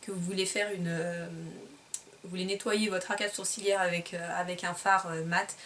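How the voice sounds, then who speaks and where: A woman giving a casual makeup review at home, chatty and often pausing to search for words and correct herself. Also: on the low side, flat delivery, a bit bright, far from the mic, a little hiss or hum. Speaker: beauty vlogger.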